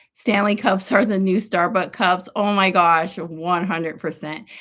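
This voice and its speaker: A woman's medium-pitched voice with vocal fry, at a fairly slow pace, on a very clean recording over a silent background. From California. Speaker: online reseller, thrifting channel host. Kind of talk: live stream chat with viewers. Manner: mumbling a little; halting, many fillers.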